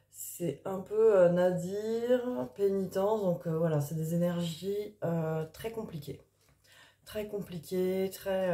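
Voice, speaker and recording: A woman card reader talking casually in an early-morning voice, improvising and thinking aloud in a halting way with trailing pauses. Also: on the low side, dark tone. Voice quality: early-morning voice, which the speaker calls gruff. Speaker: tarot card reader and spiritual coach. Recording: echoey, reverberant room.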